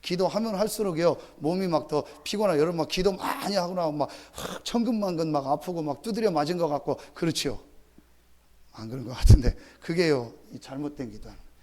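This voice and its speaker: A pastor delivers a lively, conversational sermon, full of fillers and direct appeals to his listeners. His voice sits a little high for a man, and it swings from quiet, confiding asides to loud, emphatic bursts. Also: quick pace. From Chungcheong, Korea. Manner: animated preaching that swings from soft asides to loud emphatic outbursts.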